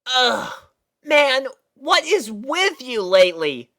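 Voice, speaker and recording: A woman puts on a brash young tomboy pegasus from a cartoon, pitched high and lively. The filly talks bluntly and casually, with slangy exclamations and an impatient yet loyal temper. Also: takes it slowly, exaggerated voice. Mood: annoyed.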